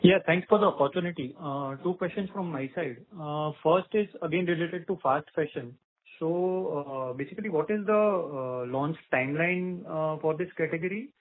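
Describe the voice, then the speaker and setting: Hesitant analyst on phone line. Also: male voice, fairly high pitch, moderate pace. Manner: hesitant, stop-start questioning. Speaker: analyst asking questions. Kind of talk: question-and-answer on an earnings call. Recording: thin phone-line audio.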